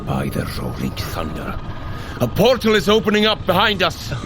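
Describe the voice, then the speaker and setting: A man's voice: high voice, huge pitch swings, moderate pace, background noise, heavily acted. A man playing a bold, commanding Norse god who urges on a runner in a grand, hearty manner in an audio adventure. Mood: alarmed, urgent. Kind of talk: scripted audio fitness adventure acting.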